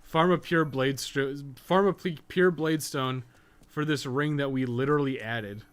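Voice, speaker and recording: A man's voice: mid-range voice, unhurried, clean tone. A man giving casual, candid live gameplay commentary in an informal, conversational way, as a streamer chatting with viewers. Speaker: game streamer and guide maker.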